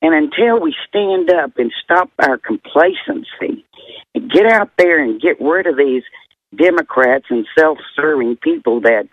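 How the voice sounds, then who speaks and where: A hoarse man calling in to a radio show, ranting in an agitated, rambling way. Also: a little high, dry recording. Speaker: caller. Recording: phone line.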